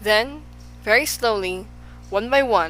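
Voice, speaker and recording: A put-on character voice, fairly high and creaky, goes at a fairly slow pace against clear background noise. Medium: read story. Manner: conspiratorial.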